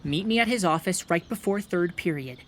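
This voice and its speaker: A woman's voice: on the low side, expressive, moderate pace. A woman voicing a self-important sixth-grade boy detective who talks in a formal, pompous way with fancy words. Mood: confident. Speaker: narrator and lead character. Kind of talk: audio drama acting. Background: music.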